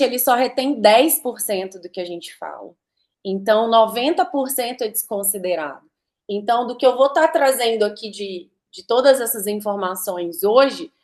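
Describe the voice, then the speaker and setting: A woman giving a live online talk, conversational, asking her audience rhetorical questions and shifting her pace and emphasis to demonstrate. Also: a little high. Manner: varies pace and emphasis to demonstrate vocal technique. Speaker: speaker giving a talk on communication and sales.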